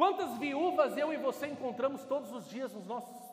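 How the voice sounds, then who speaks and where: A man with an extremely high pitch speaks at a moderate pace amid audible room echo. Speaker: preacher. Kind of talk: sermon. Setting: church. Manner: fervent, exhortative; animated, direct appeals to listeners. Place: church. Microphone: handheld.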